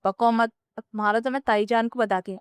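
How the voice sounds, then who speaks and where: A woman's voice: on the high side, steady tone, clean tone, no room sound, studio quality, close to an everyday voice. A woman voicing a cheeky, bossy young woman cousin in a storybook romance, speaking in an offhand, bargaining tone.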